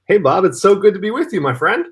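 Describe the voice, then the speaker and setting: A man's voice: sits high, big pitch swings, fast talker, breathy edge. A man in his thirties from Cameroon, a nonprofit CEO speaking as a guest in a casual interview, with an eager, earnest manner. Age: 30s.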